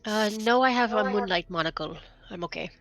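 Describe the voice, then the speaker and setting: A woman's voice: mid-range voice, fairly quick, a bit bright, dry recording, faint music behind. A woman chatting casually as a player in a tabletop role-playing game.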